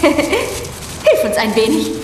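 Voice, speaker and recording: An actress voicing a theatrical, gushing pageant host in a cartoon dub. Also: female voice, high voice, very animated, slow pace, noisy background, exaggerated voice. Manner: gushing, theatrical, sing-song. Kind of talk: cartoon dubbing. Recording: echoey hall with crowd.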